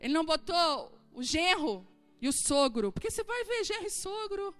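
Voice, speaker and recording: High-voiced southern woman preaching. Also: moderate pace, soft background music. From southern Brazil. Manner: animated storytelling, acting out dialogue. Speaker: pastor. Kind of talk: sermon. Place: church hall.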